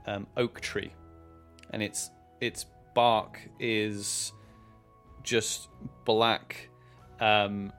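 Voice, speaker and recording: A man working as game master, improvising descriptive narration for a tabletop game with hesitant pauses mid-phrase. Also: lowish voice, level tone, fairly bright tone, soft background music.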